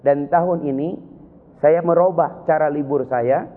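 A man preaching a sermon from Sulawesi, lively, with sudden high emotional cries. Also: unhurried. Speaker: Islamic preacher. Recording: tinny lo-fi with long hall reverb.

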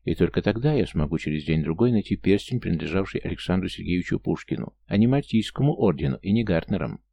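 A man voicing a sharp-witted, teasing male sleuth in an audiobook. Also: sits low, animated, fast talker, creaky, no echo, full character voice. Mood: wry. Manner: wry and teasing.

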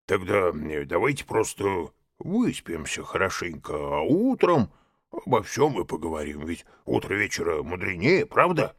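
A man voicing a slow, easygoing male bear in an audiobook, mumbling hesitantly with drawn-out fillers. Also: low-pitched, big pitch swings, a bit bright, no room sound, studio quality, exaggerated voice. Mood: mumbling, placid. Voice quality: gravelly, husky. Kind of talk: audiobook character voice.

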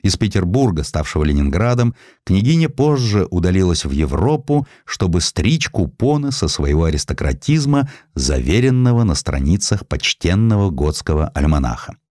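A man with a very low voice reads literary history aloud. His delivery is dramatic and highly varied in pitch, with the polish of a scripted audiobook. The sound is dry and close. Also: very animated, moderate pace, few pauses, darkish tone, dry recording. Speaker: audiobook narrator.

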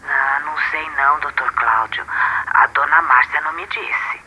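An actress with a Brazilian accent playing a simple, respectful, affectionate housemaid in a radio drama, deferential and colloquial, heard through a telephone effect. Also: female voice, extremely low pitch, normal speed. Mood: apologetic. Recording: dull telephone line with faint noise.

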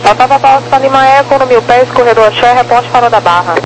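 A man's voice: very high-pitched, fast, over music. A man with a Brazilian accent working as an air traffic controller, giving procedural instructions over aviation radio. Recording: lightly noisy, humming radio channel.

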